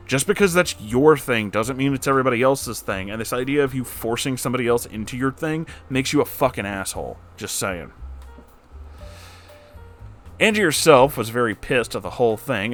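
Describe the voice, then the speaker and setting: A man hosting a story reading, giving candid casual commentary in an emphatic, blunt, sweary way. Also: medium pitch. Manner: emphatic, blunt, profane asides. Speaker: host reading and reacting to listener-submitted stories.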